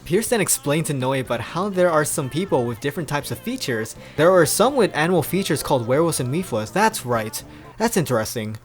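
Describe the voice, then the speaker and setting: A young man hosting a fan fiction reading, moving between narration and chatty, animated reactions. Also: on the high side, a little fast, soft background music. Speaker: video host reading fan fiction aloud. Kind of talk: casual storybook reading with chatty commentary.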